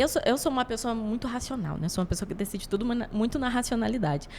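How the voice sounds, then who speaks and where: A woman with a Rio de Janeiro accent talks very fast at a high pitch over noticeable background noise. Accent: Rio de Janeiro (carioca). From Rio de Janeiro state, Brazil (São Gonçalo). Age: 20s. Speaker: pediatric nutritionist. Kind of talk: podcast interview.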